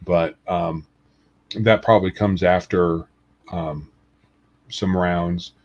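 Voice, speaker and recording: A man's voice: low-pitched, fairly even intonation, slow. A man on a gaming podcast speaking casually, hesitant and full of ums. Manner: hesitant, many fillers. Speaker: podcast co-host. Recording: dull lo-fi audio.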